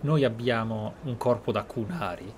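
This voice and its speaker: A man's voice: medium pitch, moderate pace, a little hiss or hum. A man with an Italian accent giving let's play commentary in a reflective, discursive way. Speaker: gaming commentator. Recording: game ambience faintly behind the voice.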